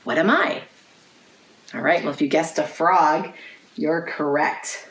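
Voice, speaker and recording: A woman hosting a children's storytime, reading aloud in clear phrases and putting questions to young listeners. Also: low voice, fairly even intonation, slow. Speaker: children's librarian, storytime host. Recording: roomy, echoey indoor sound.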